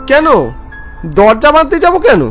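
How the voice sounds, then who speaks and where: A man playing a concerned, skeptical friend who narrates a ghost story with expressive, questioning delivery. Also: very high voice, normal speed. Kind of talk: dramatic scripted Bengali audio story narration. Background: background music.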